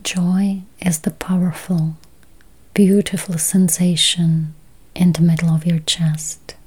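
Very slow, whispery woman guiding meditation. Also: on the low side, level tone, a little mellow. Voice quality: breathy, whispery. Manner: slow, soothing, long pauses. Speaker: guided meditation host. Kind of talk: guided meditation, slow affirmations.

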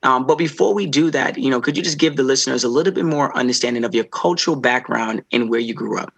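Male podcast host, slightly husky voice, friendly interviewer, casual chat. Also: mid-range voice, quick pace. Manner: friendly, encouraging, with many affirming murmurs.

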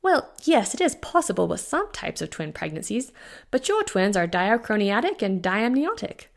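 A woman voicing a brisk, wry older woman doctor with a British accent and a dry, teasing manner. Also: medium pitch, big pitch swings, gravelly, pitched above the performer's own voice.

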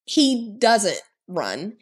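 A woman's voice: mid-range voice, huge pitch swings, very slow, breathy edge. Chatty sarcastic woman recapping a film. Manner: chatty and sarcastic, heavy use of "like". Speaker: podcast co-host.

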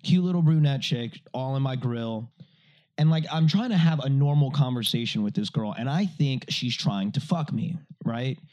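Profane, animated podcast man. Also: mid-range voice, normal speed. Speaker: podcast co-host. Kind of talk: casual chat.

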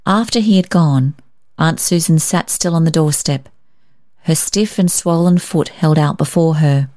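A woman reading a literary story aloud as narrator, in an expressive scripted style. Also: low-pitched, measured pace, no echo, studio quality. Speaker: story narrator and podcast host.

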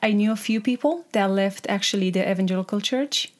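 A woman's voice: medium pitch, fairly quick. A woman from Romania, a podcast guest giving brief, plain interview answers.

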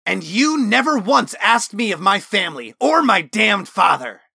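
A male narrator voicing a reserved young warrior who speaks flatly, then shouts in fury. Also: medium pitch, moderate pace, vocal fry, dry recording, studio quality, heavily acted. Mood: furious. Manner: flat, reserved speech turning to furious shouting. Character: stoic young male warrior, storm-tempered.

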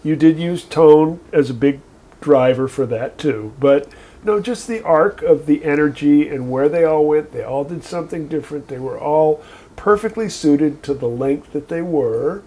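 A man with a somewhat high voice co-hosts a casual conversation. He talks in long, thoughtful runs and slips in dry jokes. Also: normal speed, mellow. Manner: thoughtful, wordy, dry humor. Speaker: podcast co-host.

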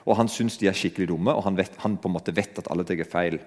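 A man's voice: sits low, a little mellow. A man preaching a sermon in a conversational way, talking straight to his listeners. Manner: conversational, addresses listeners directly. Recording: long hall reverb.

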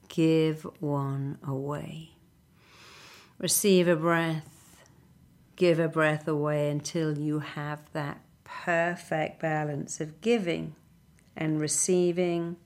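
A woman leading a guided meditation, giving soothing, deliberate instructions and affirmations straight to the listener. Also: deep voice.

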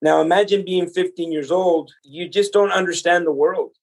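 Husky-voiced man telling his story. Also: high-pitched, steady tone, moderate pace, rough recording. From El Salvador. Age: 40s. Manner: earnest, motivational, speaks to the listener directly. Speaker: podcast guest, entrepreneur. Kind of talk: conversational storytelling.

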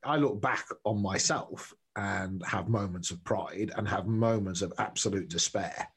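A man of about fifty talking reflectively with a guest, thoughtful, sometimes laughing softly and trailing off. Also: low-pitched, measured pace, breathy edge. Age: 50s. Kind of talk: reflective conversation.

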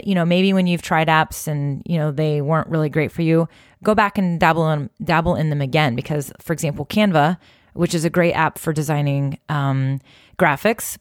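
A woman's voice: deep voice, dry recording, studio quality. A woman hosting a social media tips video, talking straight to her viewers in an encouraging, conversational way with plenty of casual fillers. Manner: encouraging, conversational, many "you know" fillers. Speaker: social media marketing host. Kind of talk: direct-to-camera advice talk.

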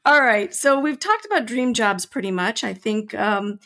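A woman's voice: a little high, animated, normal speed, a bit bright. A woman co-hosting a podcast in casual chat, asking curious questions and encouraging her co-host.

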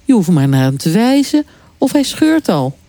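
A woman voicing a cheerful, chatty male sand crab who fixes broken things, speaking brightly and eagerly. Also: medium pitch, very animated, moderate pace, no echo.

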